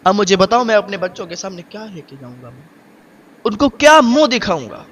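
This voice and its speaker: A man's voice: high voice, big pitch swings, fairly bright tone, highs cut off. A man voicing a poor, heartbroken father who pleads tearfully and repeats himself in long lists. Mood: aggrieved.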